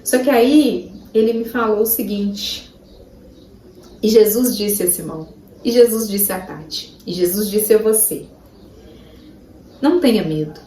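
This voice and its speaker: A woman's voice: medium pitch, steady tone, measured pace, warm tone, slight background noise. Earnest woman in a roomy space. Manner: earnest and emotional, rising to emphatic bursts. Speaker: Christian speaker. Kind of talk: informal gospel reflection. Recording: roomy sound from a distance.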